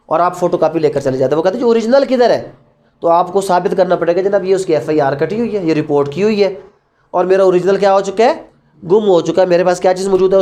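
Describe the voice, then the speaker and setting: A law lecturer with a Pakistani accent and a high, darkish voice explains evidence law, mixing Urdu and English. His style is didactic: he asks questions and then answers them himself.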